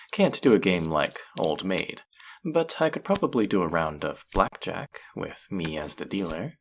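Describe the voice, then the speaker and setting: A voice actor playing a flirty, possessive demon casino dealer in an intimate audio roleplay, teasing and taunting in a low, husky, breathy voice. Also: slight background noise, exaggerated voice. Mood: playful, smooth. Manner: teasing, taunting, slow and drawn-out.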